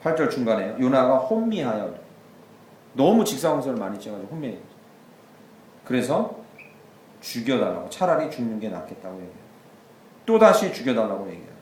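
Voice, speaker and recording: Man, pastor, lively sermon, voice rising and falling, acts out characters, reverberant church room. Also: medium pitch, fairly quick, long pauses, slight background noise. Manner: animated storytelling, acting out voices of biblical characters.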